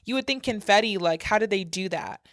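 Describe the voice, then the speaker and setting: A woman's voice: medium pitch, expressive, a little fast, a bit bright. A woman hosting a podcast, chatting effusively about wedding looks. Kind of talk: casual podcast chat.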